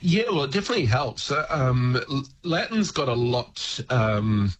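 A man's voice: mid-range voice, lively intonation, normal speed, slight background noise, poor audio. A man, a regular word expert on a radio show, chatting casually with lots of ums, restarts and laughs. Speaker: regular language guest on radio.

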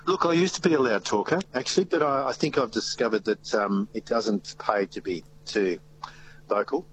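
A man's voice: on the low side, moderate pace, a bit bright, slight background noise, rough recording. A man with an Australian accent hosting a radio show, chatting playfully and poking fun at himself. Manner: playful, self-deprecating, talks in bursts. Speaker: radio host. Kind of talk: casual radio chat. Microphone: studio microphone.

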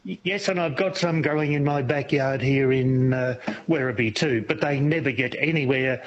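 A man calls in to a radio show. He speaks at a middle pitch in a hesitant, halting way, with many pauses. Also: lo-fi sound. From New South Wales, Australia. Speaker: radio caller.

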